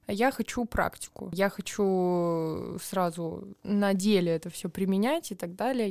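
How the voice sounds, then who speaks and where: A young woman from Siberia, co-hosting a podcast and telling stories about her student years in a casual, animated way. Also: mid-range voice, no echo. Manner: animated storytelling with playful impressions and laughter. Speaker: podcast co-host. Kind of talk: casual chat.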